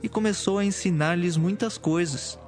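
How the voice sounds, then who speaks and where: Higher-pitched man narrating scripture solemnly. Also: normal speed, darkish tone. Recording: music behind.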